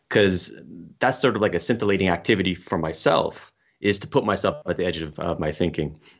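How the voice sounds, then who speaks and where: Very deep, low male voice with ordinary pitch variation at a fairly quick pace. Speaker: podcast host and author. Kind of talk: casual interview conversation.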